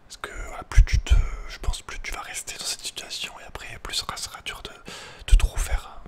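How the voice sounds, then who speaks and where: A man whispering an informal, personal ASMR talk as host, in a hesitant, halting way. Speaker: ASMR video creator and host.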